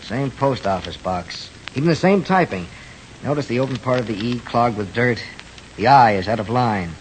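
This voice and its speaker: An actor playing a calm, methodical police lieutenant in a 1940s radio drama, firm and businesslike. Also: male voice, mid-range voice, moderate pace, a little hiss or hum, close to an everyday voice, rough recording.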